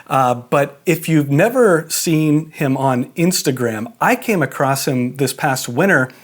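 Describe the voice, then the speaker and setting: A man's voice: a little high, animated, unhurried. A man hosting a podcast, chatty and informal, with frequent fillers as he introduces his guest. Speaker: podcast host.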